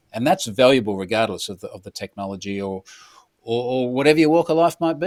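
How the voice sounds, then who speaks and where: Talking at a very fast pace with an Australian accent, a man speaks at medium pitch with ordinary pitch variation in a very clean, dry, close recording with no echo and a silent background. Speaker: information security author and instructor. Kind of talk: interview answer.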